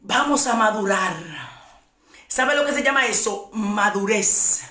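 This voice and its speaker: A woman preaching a passionate sermon, often shouting and repeating her lines for emphasis. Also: mid-range voice, unhurried, roomy sound. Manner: impassioned, shouting preaching with repetitions. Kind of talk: fiery sermon.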